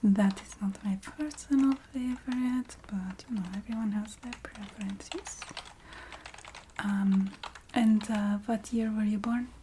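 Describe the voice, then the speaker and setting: A woman playing a courteous, matter-of-fact vampire receptionist in a soft-spoken ASMR roleplay, half-whispering in a put-on Eastern European accent with halting, formal phrasing. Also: medium pitch, fairly even intonation, slight background noise, close to an everyday voice, low-quality recording. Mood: matter-of-fact, approving. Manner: halting, formal phrasing with small hesitant hums.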